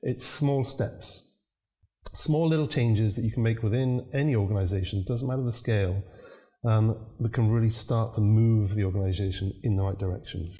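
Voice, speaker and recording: A man, a new parent, answering interview questions about business and communication in a measured, reflective way. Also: lowish voice, fairly even intonation, mellow. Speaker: business consultant guest.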